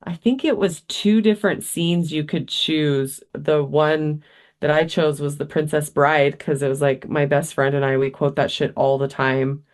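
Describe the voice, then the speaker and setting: A woman's voice: low-pitched, fairly even intonation, measured pace. Swearing, laughing podcast co-host woman. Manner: laughs a lot, swears casually. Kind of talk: casual chat.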